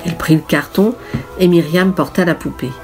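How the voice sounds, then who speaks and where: A woman reads a story aloud in a measured, even way. Her voice sits fairly low. Faint music plays underneath. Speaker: audiobook narrator. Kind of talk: storybook narration.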